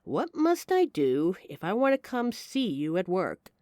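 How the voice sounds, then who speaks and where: A woman's voice: mid-range voice, huge pitch swings, measured pace, darkish tone, no room sound, clean studio sound. A woman playing a brash, charming, apologetic mafia boss in an audio roleplay, with a wry, flirtatious and theatrical delivery. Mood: amused, flirtatious. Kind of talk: audio roleplay acting addressed to the listener.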